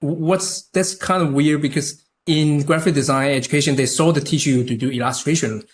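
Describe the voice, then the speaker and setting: A young man from Taiwan, a native Chinese speaker with a Taiwanese accent, chatting haltingly as a podcast guest with many restarts. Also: fairly high pitch, fairly even intonation. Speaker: podcast guest, concept artist. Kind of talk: casual interview chat.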